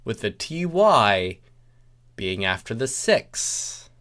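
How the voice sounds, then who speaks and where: A story reader with a medium-pitched voice takes the text slowly and deliberately. The delivery is theatrical and widely varied in tone, breaking off for wry comments on the writing. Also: sing-song, very noisy. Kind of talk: comic fan fiction reading with ad-libbed asides.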